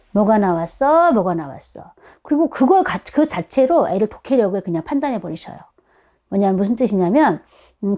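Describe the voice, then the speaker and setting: Mellow-voiced woman explaining things to parents. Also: mid-range voice. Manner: animated, acts out short quotes of children and parents; conversational, with rhetorical questions to listeners. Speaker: reading educator giving parents advice.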